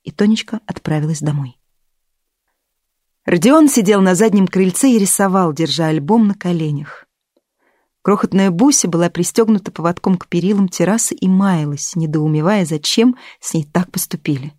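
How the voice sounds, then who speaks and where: A woman narrating an audiobook in an even, measured storytelling manner. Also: fairly low pitch, no room sound, clean studio sound. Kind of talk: expressive scripted narration.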